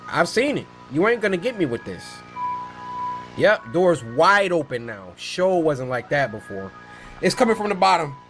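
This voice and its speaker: A man's voice: on the high side, big pitch swings, normal speed, music in the background. A man streaming reactions to horror shorts in casual slang, scared and jumpy, exclaiming and protesting at what he watches.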